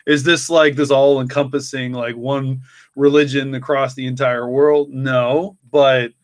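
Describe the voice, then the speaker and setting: A man chatting casually as a story's co-creator, in a halting, rambling way that often repeats words. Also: mid-range voice, flat delivery, dry recording, studio quality. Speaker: co-creator and writer discussing his story. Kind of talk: casual chat.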